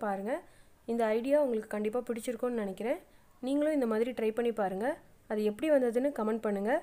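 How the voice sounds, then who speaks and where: A woman's voice: a little high, warm tone. Patient woman giving sewing steps. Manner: plain, patient instructions with frequent fillers. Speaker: craft channel host. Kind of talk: step-by-step sewing tutorial voice-over.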